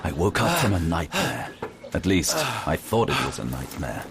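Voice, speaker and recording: An actor playing a grim, defiant detective hero in an audio drama, with a brooding, dramatic delivery. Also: male voice, sits low, huge pitch swings, moderate pace, vocal fry, heavily acted. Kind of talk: audio drama acting with first-person narration.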